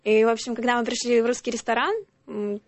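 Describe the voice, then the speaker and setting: A woman's voice: on the high side, level tone, fast, no room sound. A woman from the Urals with a Urals Russian accent, casually telling anecdotes as a talk show guest.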